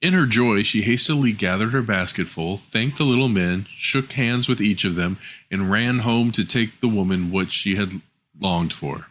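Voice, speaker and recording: A man's voice: on the low side, moderate pace, a bit bright, slight background noise. A man reading a scripted fairy tale as a storyteller.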